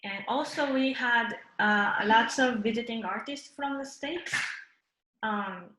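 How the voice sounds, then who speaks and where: Japanese woman, slow and halting, mellow tone, roomy sound. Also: a little high. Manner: halting, with frequent fillers and restarts. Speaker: guest artist. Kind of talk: presenting slides of her work.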